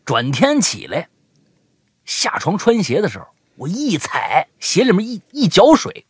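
Animated husky male podcast host. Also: high-pitched, unhurried, no room sound, clean studio sound. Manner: animated storytelling, drops to a whisper for suspense. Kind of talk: retelling listener stories in casual chat.

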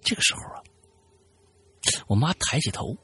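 A man's voice: moderate pace, bright, forceful tone, dry recording. A man hosting a show, casually retelling a listener's ghost story with chatty asides and fillers. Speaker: host reading a listener's story.

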